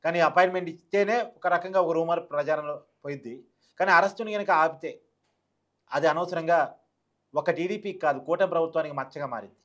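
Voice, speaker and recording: Male commentator, slightly high voice, very quick emphatic delivery, opinionated online political talk. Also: fairly bright tone. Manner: emphatic, repeats phrases and poses rhetorical questions.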